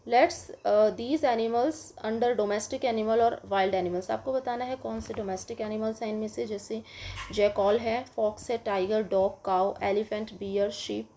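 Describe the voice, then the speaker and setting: Slow, patient Indian woman teacher. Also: mid-range voice, steady tone, dark tone, slight background noise. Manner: slow, patient, addresses children, asks and answers own questions. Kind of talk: bilingual lesson explaining English workbook in Hindi.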